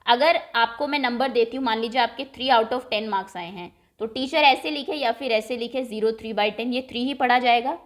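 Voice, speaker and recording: A woman's voice: on the high side, a little fast, few pauses. Patient woman teaching maths step by step. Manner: patient, step-by-step, checks in with "okay?". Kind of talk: classroom lesson explanation.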